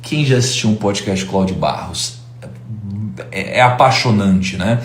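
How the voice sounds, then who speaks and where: Man in his thirties, live informal lecture, chatty, lively up-and-down pitch, roomy echo. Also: a little slow, slight background noise. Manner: chatty, peppers talk with tag questions. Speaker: host and teacher.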